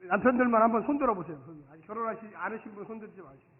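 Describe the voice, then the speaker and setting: This pastor's high, husky voice races very fast through a Sunday sermon in the church sanctuary. He acts out dialogue, shifts between quiet asides and loud exclamations, and gets the congregation to repeat after him. The audio is thin and phone-like, echoing through the hall.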